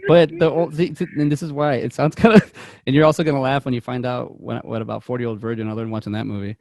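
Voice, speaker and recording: This fast-talking podcast co-host, of Mexican heritage, has a gravelly, darkish voice at medium pitch with fairly even intonation. He chats about movies in a rambling way, laughing and stumbling through restarts. There is no echo on the recording.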